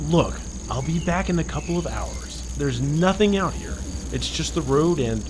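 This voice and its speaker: A man's voice: fairly high pitch, expressive, moderate pace, close to an everyday voice. A man playing a breezy, practical young fiancé who dismisses fears in a horror radio play, with crickets behind him. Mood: reassuring. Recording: noisy, insect sounds behind.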